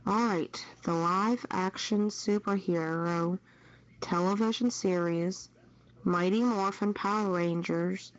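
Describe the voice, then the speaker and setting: Slow-paced woman hosting trivia, muffled sound. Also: fairly low pitch, fairly even intonation. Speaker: trivia quiz host. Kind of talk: reading out quiz questions, unscripted hosting. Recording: muffled lo-fi CB-style radio chat.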